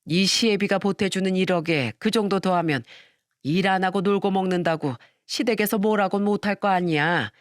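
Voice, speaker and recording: A woman voicing a greedy, scheming middle-aged mother-in-law who speaks slowly and coaxingly, close and dry. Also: mid-range voice, no echo, natural voice. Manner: slow, coaxing, self-pitying.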